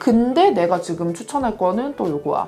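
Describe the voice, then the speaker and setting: Over music in the background, a woman's voice makes very wide pitch swings. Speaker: beauty YouTuber. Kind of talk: casual talk to camera. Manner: casual, chatty.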